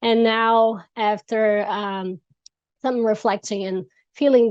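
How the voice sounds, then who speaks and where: Using a fairly slow pace, a woman with a Portuguese accent speaks with fairly even intonation. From southern Brazil. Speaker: architecture researcher. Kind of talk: conference presentation. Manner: hesitant, many fillers.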